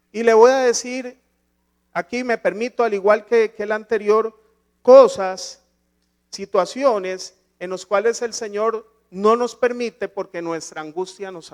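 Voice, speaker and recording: A man with a notably high-pitched voice delivers a church sermon. He leans on rhetorical questions and swells into emphatic declarations before dropping back down. The delivery is that of a pastor addressing his congregation. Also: unhurried, long pauses.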